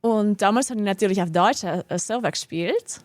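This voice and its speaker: Here the same kind of casual live-stream gaming chat comes from a young woman speaking a regional German dialect in her home office, laughing often as she talks. She has a medium-pitched voice at a moderate pace, and the sound is dry.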